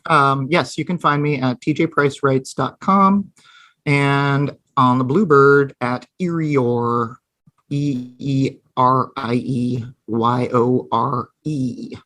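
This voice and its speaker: A man speaking as a guest author on a podcast, easygoing and quick to laugh, with many ums. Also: mid-range voice, steady tone, fairly bright tone, no room sound. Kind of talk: casual podcast chat.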